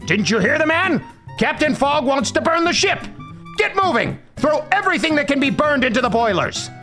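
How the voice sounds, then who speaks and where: A hot-tempered old-school sea captain who blusters and shouts, as a male narrator puts him on. His voice sits high and swings wildly, with a sharp, bright ring. Faint music plays under this storybook reading. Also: wildly swooping pitch, a little slow, vocal fry, heavily acted. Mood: gleeful. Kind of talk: storybook character voice.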